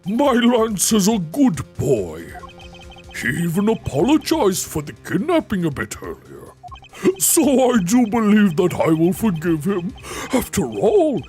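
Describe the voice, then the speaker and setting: A woman voicing a smug, pompous wealthy older man who talks in a slow, gloating way. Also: medium pitch, wildly swooping pitch, a little mellow, faint music behind. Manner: slow, gloating, drawn-out delivery.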